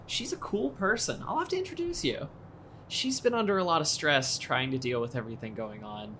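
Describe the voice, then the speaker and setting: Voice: medium pitch, lively intonation, brisk, pushed and bright, a little hiss or hum. A young adult actor playing a friendly, worried small-town boat owner in an audio drama, speaking in a conversational, earnest way. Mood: excited. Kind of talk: naturalistic audio drama acting.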